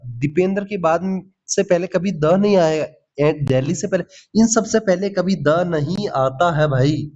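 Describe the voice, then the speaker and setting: Lively high-voiced grammar teacher. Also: male voice. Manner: lively, repeats "ठीक है?" and calls students "भाई". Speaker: exam-prep English teacher. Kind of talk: Hindi grammar lesson with English examples. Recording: slightly dull lo-fi audio.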